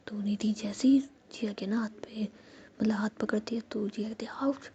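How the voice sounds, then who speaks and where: A woman narrating a story in a soft, conversational whisper. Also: medium pitch, little pitch movement, moderate pace. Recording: dull lo-fi with faint hiss.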